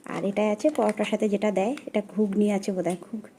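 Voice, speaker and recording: Woman, home family vlogger; chatty running narration of chores, brisk delivery, mellow, slightly high. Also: fairly even intonation, a little hiss or hum. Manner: chatty, narrating chores and meals as she goes. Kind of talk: casual home vlog chat.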